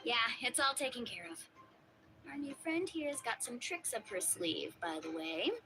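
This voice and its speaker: A woman's voice: fairly high pitch, expressive, moderate pace, noisy background. A woman voicing a spirited, loyal young female tribal warrior in a video game. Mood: upbeat, friendly.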